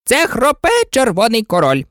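A woman voicing a contrary, teasing boy twin in a storybook reading, cocky and excitable. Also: a little high, moderate pace, dry recording, clean studio sound, pitched above the performer's own voice.

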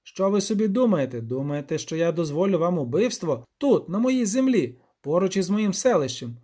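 A man voicing a hot-tempered, goat-legged male forest devil who scolds loudly and bleats. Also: high-pitched, big pitch swings, normal speed, pitched above the performer's own voice. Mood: furious.

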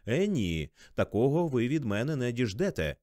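A blustering, jealous rich husband, as a man voices him in an audiobook, ranting in indignation. The delivery swings widely in pitch and sounds dry and close. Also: big pitch swings, moderate pace, dark tone, dry recording, natural voice. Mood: indignant.

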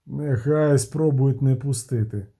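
A man's voice: medium pitch, unhurried, mellow, breathy edge. A man voicing a pompous, self-important male city official. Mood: officious.

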